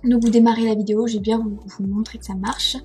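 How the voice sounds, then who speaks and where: In a casual screen-recording tutorial, a French-accented young vlogger walks viewers through websites via a headset mic, chatting hesitantly, correcting herself, using lots of fillers and laughing at herself. Her voice is warm and fairly high-pitched, quick, with little pitch movement, over faint background music.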